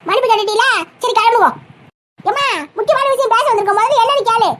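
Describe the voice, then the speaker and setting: Woman voicing cartoon granny, older, very high and shrill, rapid-fire. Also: fairly bright tone, a little hiss or hum. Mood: grumbling. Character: scolding old village grandmother, sharp-tongued. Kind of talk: cartoon comedy voice acting.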